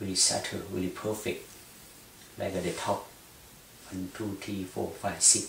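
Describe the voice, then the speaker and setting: With a Thai accent, a man talks fairly slowly with long, frequent pauses, amid noticeable background noise and audible room echo. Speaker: Buddhist monk, meditation teacher. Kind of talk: dharma talk. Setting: private house. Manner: halting.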